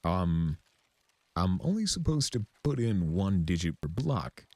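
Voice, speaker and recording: A man acts out a flustered male pegasus clerk for a cartoon fan story. He is dutiful and timid, hesitating politely over his words. The delivery is slow, with a soft husky grain and a close, dry sound. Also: low-pitched, big pitch swings, no echo, exaggerated voice. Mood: nervous. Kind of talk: cartoon fan fiction reading.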